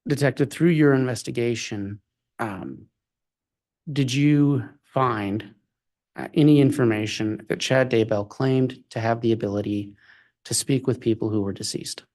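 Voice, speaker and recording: A man speaking as a prosecutor in a courtroom, questioning formally in measured, halting phrases. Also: mid-range voice, a little mellow.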